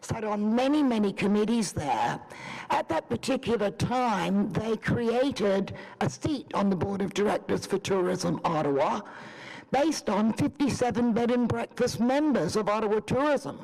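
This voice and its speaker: A woman's voice: mid-range voice, lively intonation, a little slow, darkish tone. An older woman with an Australian accent, a bed and breakfast owner giving an earnest public deputation to a city committee. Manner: earnest, persuasive, lists points one by one. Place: city council committee chamber. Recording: reverberant council chamber.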